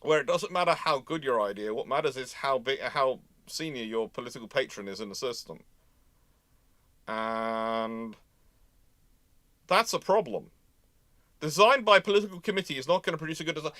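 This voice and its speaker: A man's voice: medium pitch, normal speed, long pauses, bright, forceful tone, dry recording. A man hosting a casual live history discussion, giving opinionated, rambling explanations. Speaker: host of a live question and answer show.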